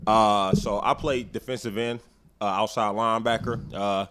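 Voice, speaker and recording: A man's voice: fairly low pitch, fairly even intonation, normal speed, a bit bright, slight background noise. A man in his twenties, an artist's manager, talking casually in a laid-back, slangy way. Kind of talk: casual conversation.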